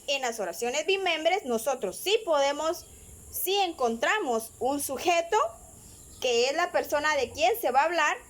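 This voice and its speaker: Woman teacher going over grammar, high voice, takes it slow, lots of little pauses and checking in. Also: animated. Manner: patient, explains step by step, checks in with frequent tags; frequent filler pauses. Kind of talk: recorded grammar lesson.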